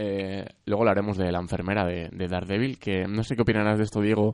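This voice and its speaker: A fairly low-pitched man with a Castilian accent over a quiet background. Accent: central Spanish (Castilian). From central Spain. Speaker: podcast host. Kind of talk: casual chat.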